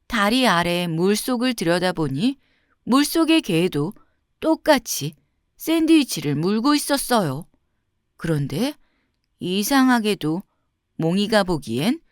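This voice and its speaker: A woman narrating a scripted fairy tale for children in a gentle, expressive storytelling manner with clear phrasing. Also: mid-range voice, no room sound, studio quality.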